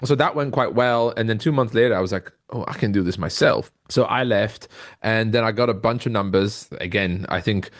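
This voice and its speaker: A man with a fairly low voice talks as a guest in a conversational interview. He explains things earnestly, telling stories and making his case, and often tags his points with a quick questioning "right?". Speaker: interview guest, tech company founder.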